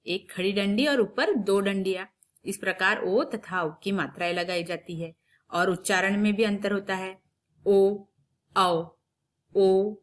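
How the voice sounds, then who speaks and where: A woman teaching young children a recorded lesson, explaining patiently step by step and drawing out sounds slowly for them to repeat. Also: mid-range voice, a bit bright. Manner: slow, drawn-out drilling of sounds, repeated for children to copy. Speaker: primary school Hindi teacher.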